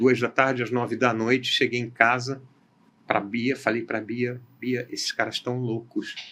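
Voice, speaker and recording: A man with a medium pitch talks at a fairly slow pace. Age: 60s. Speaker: voice actor. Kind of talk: casual chat. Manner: animated.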